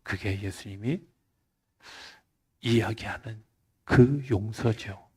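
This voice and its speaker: A male pastor preaching a Friday night sermon in church, swinging from loud emphasis to soft near-whispers. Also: lowish voice, takes it slowly, husky.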